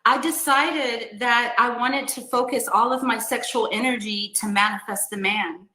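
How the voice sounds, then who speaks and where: Bright-voiced woman in her fifties. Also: fairly high pitch, moderate pace, reverberant, low-quality recording. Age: 50s. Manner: earnest, stammering restarts. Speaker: podcast guest. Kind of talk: casual interview answers.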